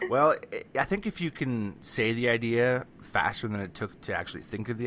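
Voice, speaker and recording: A man with a Canadian accent speaks at a medium pitch with lively intonation. His pace is fairly quick, with hardly any pauses. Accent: Canadian, says 'aboot'-like 'about'. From Canada. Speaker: podcast host. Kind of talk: casual chat.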